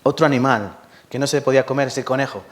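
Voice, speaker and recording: A pastor from Spain, speaking with a Spanish accent, delivers a lively Sunday sermon in church at a fast clip and medium pitch. He repeats words for emphasis and frequently poses questions to the congregation.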